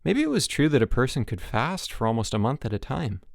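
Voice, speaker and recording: Man, audiobook narrator, expressive scripted storytelling, animated intonation, dry close sound. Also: medium pitch, fairly quick, gravelly, no echo.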